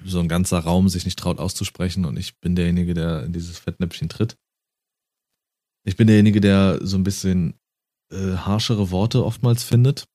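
A man's voice: deep voice, fairly even intonation, normal speed, mellow, no echo, studio quality. A man chatting casually on a podcast, blunt and fond of swearing, often laughing. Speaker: podcast co-host.

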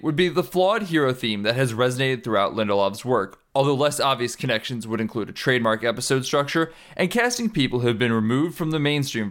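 A man's voice: medium pitch, a bit bright. A man narrating a written article as a scripted essay reading.

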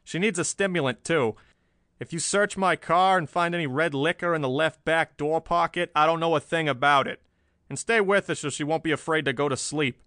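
A man voicing a fiery, hard-boiled old newspaper editor in a storybook, barking gruff orders. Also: fairly high pitch, brisk, sharp tone, no echo, studio quality, pitched above the performer's own voice. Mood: gruff command.

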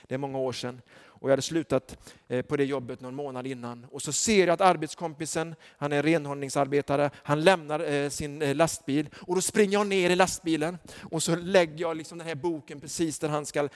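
High-voiced fervent male preacher. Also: big-room sound. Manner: storytelling, rising to loud fervent exhortation. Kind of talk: sermon with personal stories.

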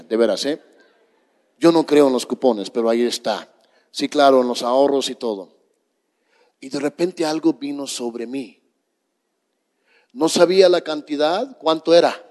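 Brief: middle-aged male pastor, slightly high voice, unhurried dramatic sermon storytelling, long church reverb. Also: darkish tone. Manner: slow, dramatic storytelling to a congregation.

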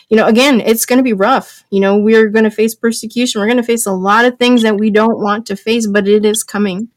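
A woman's voice: a little high, no echo, rough recording. A woman hosting a live talk show, speaking firmly and lecturing her listeners. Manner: firm, lecturing, scolds callers. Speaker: host.

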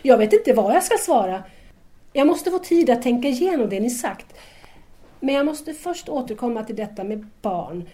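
An actress plays a naive young woman in an audio drama. Her voice sits a little high and has a soft, mellow tone. She is shy and courteous, feeling her way hesitantly and earnestly through her words. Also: animated, close to an everyday voice. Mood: curious, unsure.

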